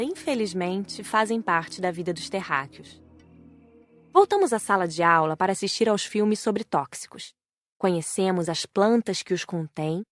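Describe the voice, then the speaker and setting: A woman narrates an audiobook in the first person from a script. Her pitch is average, and the recording is close and dry, with no room sound. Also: no room sound.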